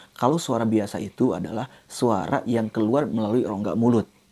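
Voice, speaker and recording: A man's voice with a dark, mellow tone. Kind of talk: explanatory, teaching.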